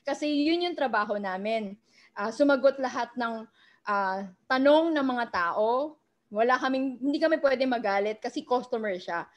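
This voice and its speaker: High-voiced chatty Filipino woman. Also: lively intonation, moderate pace, highs cut off. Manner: chatty, keeps asking "di ba?". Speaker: guest speaker sharing her story. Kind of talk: personal testimony talk. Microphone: video call.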